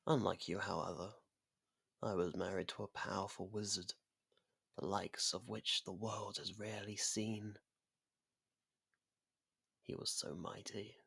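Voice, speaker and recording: Male actor as ancient domineering vampire, low-pitched, breathy, seductive, deliberate, theatrical ASMR monologue, close dry sound. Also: fairly bright tone, no echo, heavily acted. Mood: wistful, wry. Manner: slow, deliberate, theatrical, often dropping to a whisper.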